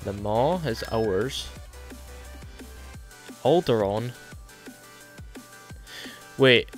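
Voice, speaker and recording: A young man hosts a let's play, casually commentating a strategy game while rambling and correcting himself. His mid-range voice is a bit bright, and his nose sounds a little blocked.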